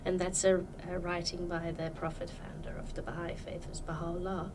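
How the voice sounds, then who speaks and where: A woman's voice: fairly low pitch, little pitch movement, normal speed, distant mic, background noise. A woman from Iran, a podcast guest, talking about her life in a thoughtful, hesitant way with many fillers. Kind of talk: casual interview chat.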